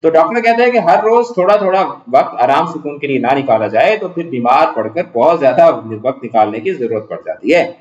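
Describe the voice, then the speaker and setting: A man's voice: fairly high pitch, lively intonation, few pauses. A man teaching a class lesson, reading a text aloud and explaining hard words in simpler ones. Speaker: Urdu teacher. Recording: echoey room, dull lo-fi sound.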